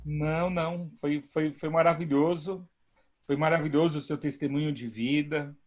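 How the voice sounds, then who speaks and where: A man's voice: on the high side, steady tone, normal speed. A man, a pastor hosting an online service from home, speaking emphatically and praising God. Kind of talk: warm preaching talk.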